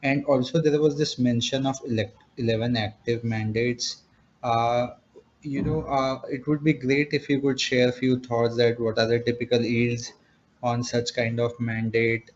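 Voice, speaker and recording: A man speaks in an even, little-varying voice over a dull conference line with faint noise behind him. He sounds like an analyst putting questions to company management, polite, hesitant and roundabout in his phrasing. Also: mid-range voice, normal speed. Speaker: analyst asking questions on an earnings call. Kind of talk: business question and answer. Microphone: conference call line. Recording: dull conference phone line, noisy background.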